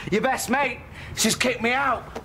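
A man's voice: very high-pitched, fairly even intonation, measured pace, pushed and bright, a little hiss or hum, exaggerated voice. An actor playing a bitter, sullen drunken man in a TV drama. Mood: bitter, angry. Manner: sullen, accusing. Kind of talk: naturalistic TV drama acting.

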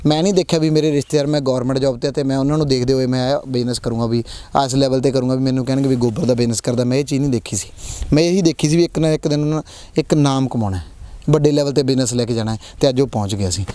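A man's voice: medium pitch, fairly even intonation, very fast, mellow, no room sound. A young man with a Punjabi accent, a dairy farmer giving an earnest outdoor interview and repeating his points. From Punjab, India. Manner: earnest, repeats phrases, rallying young people. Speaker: prize-winning dairy farmer. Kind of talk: on-camera interview. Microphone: handheld mic held by interviewer.

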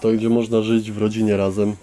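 A young man giving an informal, halting answer. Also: lowish voice, level tone, warm tone, faint music behind.

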